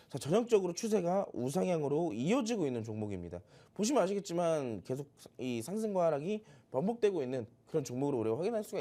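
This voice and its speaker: Mellow, fast-talking male stock analyst. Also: on the high side. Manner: explains step by step, addressing viewers. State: sore throat. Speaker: stock expert guest. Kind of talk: explanatory market commentary.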